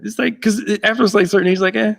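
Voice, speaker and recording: A man's voice: high-pitched, fairly even intonation, fast, vocal fry. A man in his thirties, a pastor hosting a casual chat show from a church sanctuary, laid-back and joking. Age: 30s.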